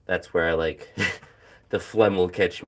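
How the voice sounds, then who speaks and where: A young man, a phys ed teacher, chatting casually about his training with a hoarse, phlegmy throat and many fillers and pauses. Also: low-pitched, steady tone. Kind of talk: casual vlog chat while training.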